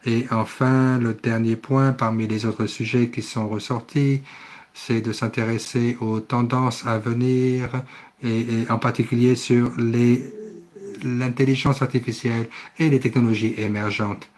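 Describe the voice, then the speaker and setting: Male, conference interpreter, mid-pitched voice, flat intonation, halting phrasing with self-corrections. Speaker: simultaneous interpreter. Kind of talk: live interpretation of a conference session.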